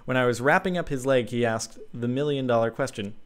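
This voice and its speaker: A man's voice: medium pitch, brisk, clear, resonant tone. A young man, host of his channel, casually reading a fan story aloud with frequent ums and chuckling asides.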